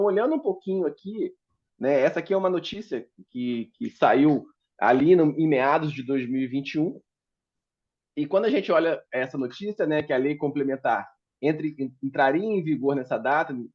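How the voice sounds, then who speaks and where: A man's voice: fairly high pitch, dull audio. Hesitant man presenting on a panel. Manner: hesitant, many fillers and restarts. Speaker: startup founder presenting a case. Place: meeting room at a public forum.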